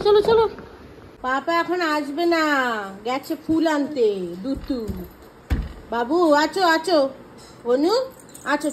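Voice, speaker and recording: A young woman with a West Bengal Bengali accent, vlogging at home, coaxing her small children in a sing-song voice and chatting calmly to viewers. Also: high voice, a little hiss or hum. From West Bengal, India. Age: 20s. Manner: calm chatty asides to viewers. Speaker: vlogger and mother. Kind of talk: casual home vlog. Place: apartment at home.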